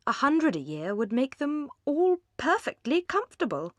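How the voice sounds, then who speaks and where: A woman voicing a pliable, money-minded gentleman with an English accent, mild and easily swayed. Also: high voice, big pitch swings, normal speed, dry recording, pitched above the performer's own voice. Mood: agreeable.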